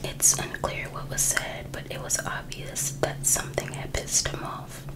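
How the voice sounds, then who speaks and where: An American woman reads aloud in a soft, unvoiced whisper for ASMR. Her delivery is very slow and breathy. She keeps it hushed and informal, like someone reading a book aloud with her own casual remarks. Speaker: ASMR host reading a true crime book.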